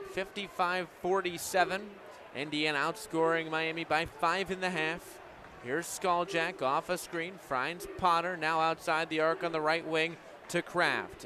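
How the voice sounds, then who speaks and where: A young American man calling live sports as a radio play-by-play broadcaster. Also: fairly high pitch. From United States. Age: young adult. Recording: live game broadcast, crowd noise behind. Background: crowd and game noise.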